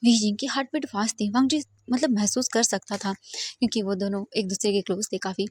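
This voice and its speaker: A woman's voice: mid-range voice, steady tone, fast, a little mellow, husky, no echo, studio quality. A woman casually narrating her own fanfiction story, chatty and mixing in English words.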